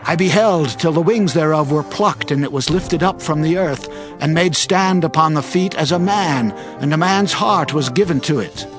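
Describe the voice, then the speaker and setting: A man playing a faithful, earnest prophet in a dramatized scripture production, speaking with solemn, measured declamation. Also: fairly high pitch, lightly acted. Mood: awed recounting. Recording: music behind the voice.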